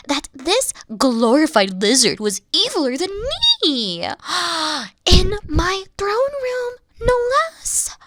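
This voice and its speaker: A dorky evil queen, acted by a woman, with a high, very animated voice. She boasts theatrically and petulantly, then slips into awkward, needy softness. It is a comedic roleplay monologue, taken at an unhurried pace. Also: no echo, heavily acted. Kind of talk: scripted roleplay audio monologue, comedic and intimate.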